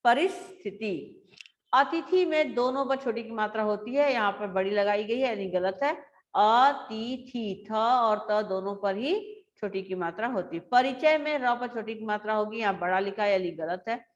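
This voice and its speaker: A woman teacher giving a grammar lesson to schoolchildren, explaining slowly and repeating words aloud. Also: medium pitch, highs cut off.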